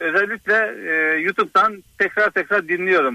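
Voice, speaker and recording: At a moderate pace, a raised, projected voice with a bright, sharp tone and ordinary pitch variation comes through dry and close with no echo. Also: man. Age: 40s. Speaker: concrete pump operator. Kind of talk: phone-in call to radio show.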